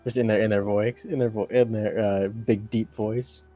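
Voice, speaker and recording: A man's voice: lowish voice, steady tone, normal speed, warm tone, soft background music. A man running a tabletop game as game master, improvising narration and often searching for his words.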